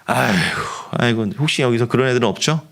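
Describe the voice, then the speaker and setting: A man's voice: mid-range voice, quick pace, vocal fry. A middle-aged man, a pastor preaching a youth sermon, telling a story and acting out the voices in it. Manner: animated, acts out quoted voices of friends.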